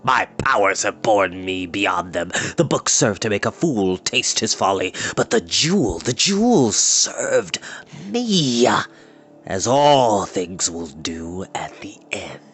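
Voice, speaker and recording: A man voicing a cold, cruel, arrogant wizard in a storybook, with a hissing, whispery voice and a slow, menacing, contemptuous manner. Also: on the low side, very animated, fairly bright tone, breathy edge, soft background music, exaggerated voice. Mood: cold contempt. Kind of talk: storybook character voice.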